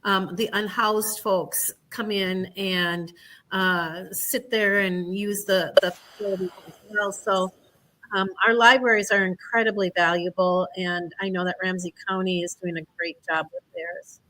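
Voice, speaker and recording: Woman, bright clear tone, unhurried radio guest. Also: medium pitch, steady tone, rough recording. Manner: warm, measured, many fillers. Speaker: state senator and guest. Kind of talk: casual radio conversation.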